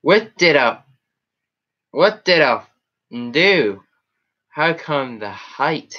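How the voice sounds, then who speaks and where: A man's voice: fairly high pitch, big pitch swings, very slow, bright, forceful tone. Chatty teenage boy on a lo-fi livestream. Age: teens. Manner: rambling, chatty, reacting to comments. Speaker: livestream host reading chat. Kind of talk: casual live chat. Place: small room with green backdrop. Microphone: headset.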